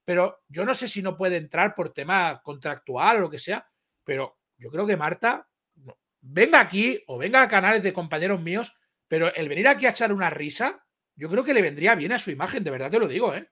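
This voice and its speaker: An excitable man with a Spain Spanish accent hosts a casual stream. His voice sits high and sounds bright, almost sharp. He rambles through slangy stories. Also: fairly quick, husky. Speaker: host. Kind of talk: casual live-stream chat.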